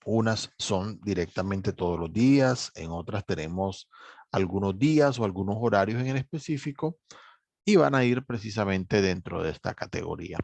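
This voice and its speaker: Male teacher, gravelly voice, dry close sound, measured lecture. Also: on the low side, expressive, darkish tone, dry recording. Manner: measured, repeats reminders, many fillers like "obviamente". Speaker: English teacher. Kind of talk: online course lecture.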